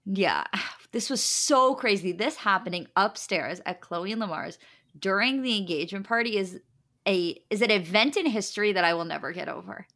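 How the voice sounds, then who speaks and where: A woman's voice: mid-range voice, animated, moderate pace, bright, forceful tone. A woman co-hosting a podcast, giving opinions in casual chat with emphatic rhetorical questions. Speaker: podcast co-host.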